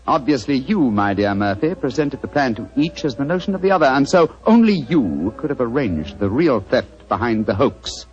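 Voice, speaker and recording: Sherlock Holmes, a man playing a crisp, amused detective. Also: mid-range voice, big pitch swings, moderate pace, hardly any pauses, lightly acted. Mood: confident amused. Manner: crisp, theatrical, relishing his deductions. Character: brilliant, amused male detective, self-assured. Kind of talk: 1940s radio acting. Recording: dull old radio recording with music.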